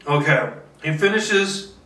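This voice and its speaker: A man doing a screenplay table read with casual asides, halting as he thinks aloud. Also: fairly high pitch, expressive, bright, forceful tone. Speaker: script reader, filmmaker. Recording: roomy, distant microphone.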